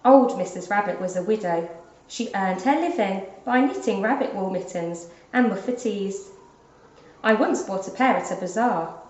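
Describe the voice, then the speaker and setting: A woman reads a children's storybook aloud with deliberate expression. Her medium-pitched voice moves up and down in an animated way. The recording is slightly dull, with clear room echo.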